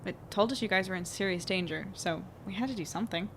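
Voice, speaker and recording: An earnest, slightly apologetic young traveler, acted by a woman in an audio drama. The voice is medium in pitch and natural, over faint background ambience. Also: fast, a little hiss or hum, lightly acted. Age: young adult. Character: earnest, apologetic young friend on a rescue trip.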